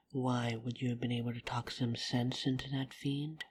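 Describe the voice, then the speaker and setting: A woman's voice: rumbling low, little pitch movement, measured pace, a little hiss or hum. A woman playing a defiant, caring vampire in an audio drama, protective and bluntly sarcastic. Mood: wry. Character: defiant, caring female vampire in love with an angel.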